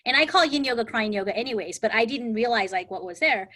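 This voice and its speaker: A woman's voice: a little high, lively intonation, fast, bright, forceful tone. A middle-aged woman teaching a live exam prep class in a casual, chatty way, telling stories and often asking "right?". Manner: chatty, storytelling, frequent "right?" and "like". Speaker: insurance exam prep instructor.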